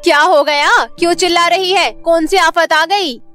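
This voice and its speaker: Actress as a scornful cartoon stepmother, high and sharp, scolding constantly. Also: fairly even intonation, a little slow, faint music behind, exaggerated voice. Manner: shrill, scornful, nagging. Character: scolding mean stepmother, middle-aged woman. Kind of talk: cartoon voice acting.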